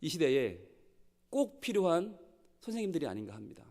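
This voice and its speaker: A male pastor preaching a sermon in a church, telling a story with animated delivery and acted-out quotes. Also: fairly high pitch, brisk. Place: church sanctuary. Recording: long church hall reverb.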